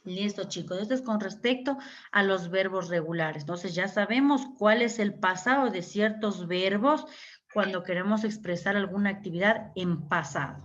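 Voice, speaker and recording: A woman's voice: medium pitch, moderate pace, fairly bright tone. A woman from Ecuador teaching English grammar to a class, patiently repeating words and checking that students follow. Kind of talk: online class explanation. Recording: muffled lo-fi audio.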